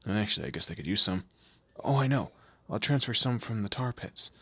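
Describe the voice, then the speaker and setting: A man playing a commanding, teasing demon lord in an audio roleplay, with a low gravelly, husky voice and an imperious, theatrical manner. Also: animated, a little fast, pushed and bright, dry recording, full character voice. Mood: irritated, amused. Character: male demon lord, commanding, menacing, teasing boss of hell. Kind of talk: scripted audio roleplay addressed to the listener.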